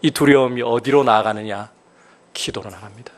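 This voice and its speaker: A man's voice: mid-range voice, a little fast. A male pastor preaching a sermon, explaining scripture and building to emphatic, raised peaks.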